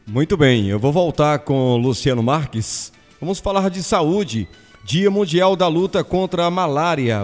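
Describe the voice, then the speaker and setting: A man's voice: on the high side, a little mellow. Upbeat male news anchor in a reverberant space. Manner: chatty, upbeat asides between items. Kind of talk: live news presenting.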